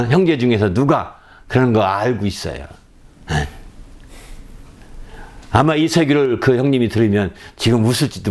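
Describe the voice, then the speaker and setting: A middle-aged man preaching a sermon, animated, with many rhetorical questions and homely story asides. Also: a little high. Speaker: pastor.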